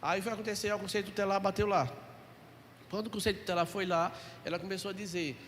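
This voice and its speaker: High-voiced pastor. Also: male voice, steady tone, fast, fairly bright tone. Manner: storytelling, acts out dialogue, jokes. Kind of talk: sermon. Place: church. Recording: echoey church hall, faint noise.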